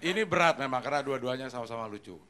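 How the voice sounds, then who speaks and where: A man's voice: mid-range voice, animated, very fast. A middle-aged man hosting a stand-up comedy show on stage, joking and teasing the comics. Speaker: host. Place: TV studio stage with live audience. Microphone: handheld mic. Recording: loud crowd and music behind. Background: loud audience laughter and music.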